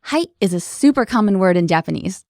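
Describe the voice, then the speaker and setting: A woman hosting a language lesson, explaining words clearly in an upbeat, scripted way. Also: medium pitch, animated, brisk, a little mellow, no room sound, studio quality.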